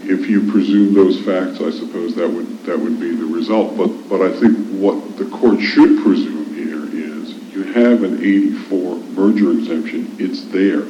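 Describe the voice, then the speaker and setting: An American man delivers oral argument in a reverberant, somewhat muffled courtroom recording. His voice is fairly low, and he presses his case insistently, restating key points. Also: unhurried, hardly any pauses. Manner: insistent, repeats points for emphasis. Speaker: lawyer arguing an appeal. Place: indoor courtroom. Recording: echoey, muffled courtroom recording, faint noise.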